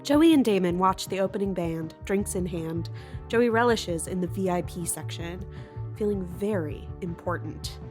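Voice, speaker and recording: A woman's voice: on the low side, animated, normal speed, darkish tone, faint music behind. A woman narrating a comic audio drama in a playful, mock-dramatic way. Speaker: podcast host and narrator. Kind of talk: scripted storybook narration.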